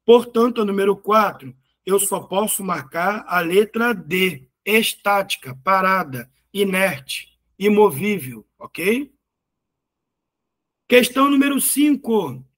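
A man with a rather high voice teaches at an unhurried pace. He goes through exam answers patiently, splitting words into syllables and repeating them. He often pauses to check whether the students are following. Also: expressive, a bit bright. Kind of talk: explaining exam questions.

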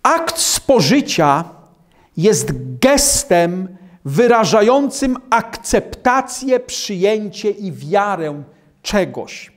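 High-voiced older man, slow, measured preaching. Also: very animated. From Poland. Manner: measured, emphatic preaching, slowing on key phrases. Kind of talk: Bible sermon with scripture readings. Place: small hall with world maps behind a lectern.

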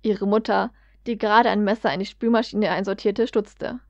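A woman reading a fan fiction story aloud in a steady, even narrating manner. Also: medium pitch, normal speed, no echo. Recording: dull, dry lo-fi recording.

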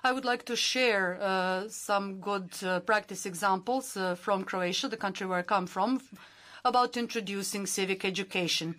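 Hesitant woman interpreting a speech. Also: medium pitch. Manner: hesitant, many filler pauses, steady formal delivery. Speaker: simultaneous interpreter. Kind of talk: simultaneous interpretation of conference speeches.

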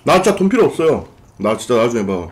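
A man's voice: mid-range voice, very animated, fast. A young man chatting casually with his co-host during a live mukbang stream, talking between bites in a small room. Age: young adult. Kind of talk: casual chat while eating. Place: small room indoors at a food-covered table.

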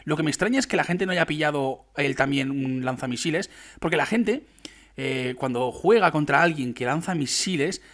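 A young man from Spain with a Spanish accent, commenting his own gameplay in an excitable, chatty way with frequent laughs. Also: fairly high pitch, moderate pace. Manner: excitable, laughs often, chatty asides to viewers. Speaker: gaming YouTuber.

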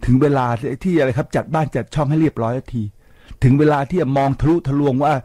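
An older man talks to his radio listeners in a lively, preachy way, firing rhetorical questions at them. His voice is dark and mellow, and the studio sound is close and dry. He drops English words into his talk. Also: a little high, fast, no room sound. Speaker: radio host. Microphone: studio microphone.

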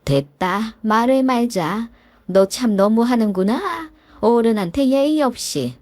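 A woman's voice: on the high side, lively intonation, slow pace, no room sound, clean studio sound. A woman voicing a stern, reproachful middle-aged mother-in-law in a read story. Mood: huffy. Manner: reproachful, sharp questioning.

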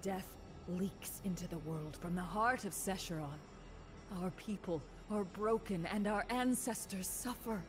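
A woman's voice: medium pitch, measured pace, lightly acted. An actress playing an earnest, sorrowful tribal warrior woman in a fantasy video game, speaking with solemn determination. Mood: earnest, urgent. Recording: game music behind the voice.

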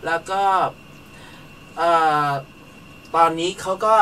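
A man with a bright, forward voice tells a story in an easygoing, conversational way, often pausing on fillers. He sounds a little off-mic, with a faint hiss under the recording. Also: recorded from a distance. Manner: chatty storyteller with frequent hesitation fillers. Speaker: car show host. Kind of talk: conversational recap on a talk show.

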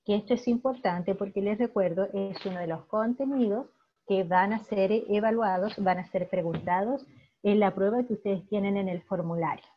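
A woman teacher with a Chilean accent giving an online class, praising her students warmly and explaining patiently. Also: medium pitch, moderate pace, slight background noise. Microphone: video call. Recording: dull lo-fi video call audio.

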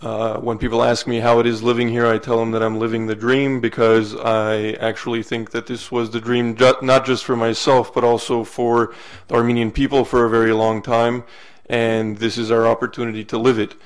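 A man's voice: mid-range voice, monotone, moderate pace. A young man, originally from California, introducing himself on a panel and joking lightly. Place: university lecture hall panel table.

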